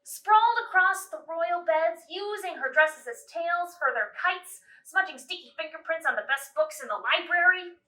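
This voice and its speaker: Expressive high-voiced woman reading to children. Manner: expressive, deliberate, addressing young children. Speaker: library storytime reader. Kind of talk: children's storybook read-aloud. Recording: roomy echo, distant mic.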